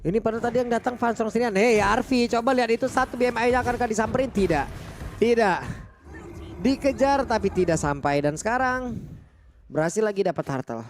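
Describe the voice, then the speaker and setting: A man's voice: extremely high pitch, fairly quick, soft background music. A man with an Indonesian accent giving colloquial, playful, exclamatory esports commentary as a game announcer. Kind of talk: lively, joking game commentary in announcer manner.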